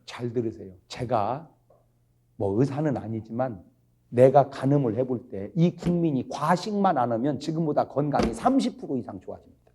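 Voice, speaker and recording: A male pastor giving a humorous revival sermon. He is jokey, keeps prodding the congregation with quick questions, and swings between low asides and loud exclamations. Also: animated, background noise.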